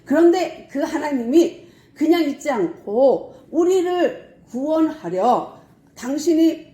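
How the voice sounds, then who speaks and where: Woman playing a bold male apostle preaching, mellow, echoey room. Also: sits high, voice pushed up.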